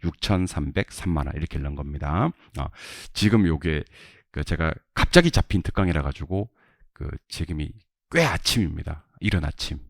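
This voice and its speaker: A middle-aged man with a very deep voice teaches an exam-prep class. His pitch jumps around a lot as he quizzes students on each figure. The sound is dry and close, with no room echo. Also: moderate pace, creaky. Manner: animated, drills numbers with repeated questions to students. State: just woke up, a bit scattered. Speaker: real estate exam instructor. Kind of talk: online lecture.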